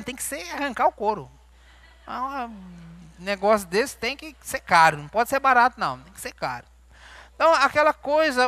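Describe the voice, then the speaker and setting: Brazilian preacher guy, really high bright voice, chatty sermon, keeps asking the church stuff. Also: dry recording. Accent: Brazilian Portuguese. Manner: conversational preaching, asks the congregation questions. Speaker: pastor.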